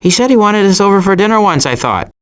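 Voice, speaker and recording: This is a high-pitched, quick, smooth delivery from a man playing an adult male turtle in an animated video game. The turtle is cautious and anxious, with a fretful, wry manner, deadpan sarcasm, and stammers.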